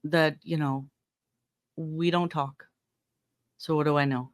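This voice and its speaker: Lower-pitched woman in casual commentary. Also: fairly even intonation, takes it slowly. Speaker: podcast host analysing recordings. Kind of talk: casual true-crime commentary.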